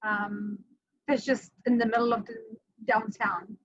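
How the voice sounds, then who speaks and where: A woman's voice: fairly high pitch, little pitch movement, a little slow, husky, no echo, highs cut off. A middle-aged woman from Romania, a mortgage lender answering interview questions in a friendly, matter-of-fact way.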